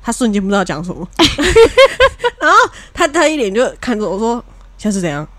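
A woman, co-hosting a casual podcast and telling a story with animated energy, acting out what her friends said. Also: fairly high pitch, moderate pace, dry recording. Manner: animated storyteller who acts out friends' lines. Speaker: podcast co-host.

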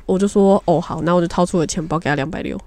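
Podcast co-host, young woman, Taiwanese Mandarin accent, animated storyteller, very dry close sound. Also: fairly low pitch, very fast, no room sound. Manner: animated storytelling, frank and laughing. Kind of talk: casual chat.

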